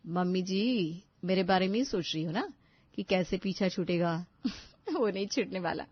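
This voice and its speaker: A woman's voice: lowish voice, lively intonation, unhurried, breathy edge, dry recording, lo-fi sound. Woman doing a bossy young daughter-in-law. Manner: bossy, mocking, commanding.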